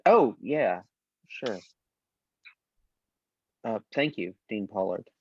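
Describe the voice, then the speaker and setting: A man's voice: fairly low pitch, big pitch swings, drawn-out words, husky, dry recording, dull audio, full character voice. A man playing a meek, apologetic college student in a table read, hesitant and deferential.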